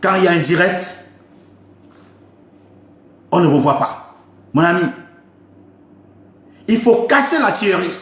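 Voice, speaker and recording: A man's voice: sits high, lively intonation, slow pace, long pauses, fairly bright tone, roomy sound. A man giving an impassioned political rant, emphatic and scolding, repeating his points to his listeners. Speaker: political commentator. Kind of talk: impassioned live-stream rant.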